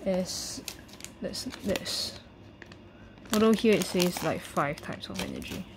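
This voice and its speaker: A woman speaks at a fairly slow pace with long, frequent pauses and ordinary pitch variation. Noticeable background noise runs throughout. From Singapore. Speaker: YouTuber, card collector. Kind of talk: unboxing video commentary. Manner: halting, many fillers. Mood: curious, mildly excited.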